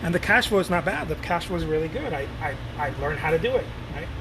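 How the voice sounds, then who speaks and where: A man in his late thirties talking casually to his viewers as a painter, loose and animated, repeating words and swearing now and then. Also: a little high, fast, noisy background. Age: 30s. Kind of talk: casual rambling talk to camera.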